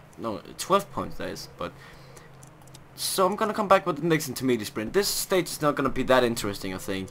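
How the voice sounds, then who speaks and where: A man's fairly high voice, fairly quick in pace, with very wide pitch swings. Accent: Danish. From Denmark. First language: Danish. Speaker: video game let's play YouTuber. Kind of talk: gameplay commentary. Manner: animated, excitable commentary.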